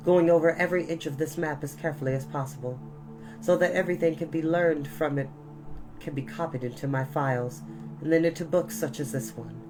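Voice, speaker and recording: A woman narrates a children's novel in a low voice. Her delivery is expressive, deliberate and a little theatrical, as a storyteller's is. Music is clearly audible beneath the reading. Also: rough recording.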